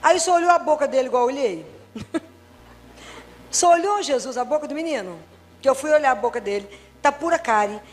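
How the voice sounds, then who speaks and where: A middle-aged Brazilian woman with a notably high voice gives a faith talk as a doctor. She tells chatty, humorous stories and acts out the dialogues. Her voice rings out with a long reverb, as in a large hall. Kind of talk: religious talk with personal stories.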